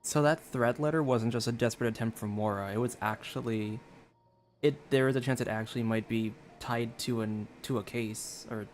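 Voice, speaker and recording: A man who streams games, commenting casually and thinking aloud in a halting way. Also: mid-range voice, fairly even intonation, faint music behind. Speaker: game streamer. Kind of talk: casual live game commentary.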